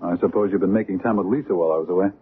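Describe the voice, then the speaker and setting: Man acting wry jealous guy in an old radio play, deep voice, noisy thin radio sound. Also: rapid-fire, lightly acted. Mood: wry, wary. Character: wry, jealous man, romantic rival turned anxious. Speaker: radio drama actor. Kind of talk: 1970s radio drama acting. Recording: noisy, narrow-band old radio recording.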